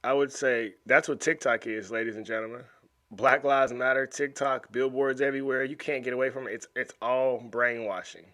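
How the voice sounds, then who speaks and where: A man's voice: medium pitch, fairly even intonation, moderate pace, a bit bright. A man hosting a reaction video, talking casually and animatedly, often repeating and restarting words. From United States. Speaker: YouTube reaction host. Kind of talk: casual commentary over a video.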